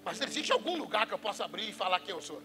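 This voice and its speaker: A Brazilian Portuguese-accented pastor preaches in a very high, piercingly bright voice. He swings from loud calls to hushed lines and acts out the voices of the people in his stories. Quiet music plays under the sermon. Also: big pitch swings, quick pace. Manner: acts out quoted voices of church members and Bible figures. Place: church service.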